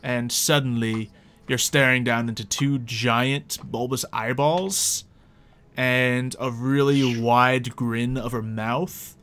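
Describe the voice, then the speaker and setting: A man's voice: medium pitch, steady tone, slow pace, a bit bright, clear, resonant tone. A man casually narrating an online tabletop roleplay game as game master, in an informal storytelling way. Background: music.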